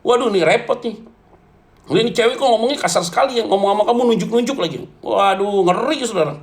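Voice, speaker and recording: A man preaching to a congregation as pastor, animated and jokey, often turning to address his listeners directly. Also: high-pitched, fast talker. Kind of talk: lively humorous sermon.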